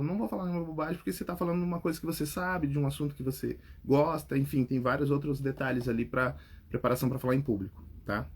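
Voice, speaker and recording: A man's voice: fairly high pitch, darkish tone, slightly rough. A man with a Brazilian accent, a public speaking coach answering viewer comments in a casual podcast, talking straight to the viewer and checking in with "right?" after his points. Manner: talks straight to the viewer, tags lines with "tá?" and "né?".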